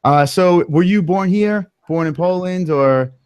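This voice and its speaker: A man's voice: high-pitched, measured pace, a little mellow, clear, resonant tone, no room sound, dull audio. A man with a New York accent hosting a casual livestream interview, joking and laughing often. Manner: joking, laughs often, stumbles over words. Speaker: host.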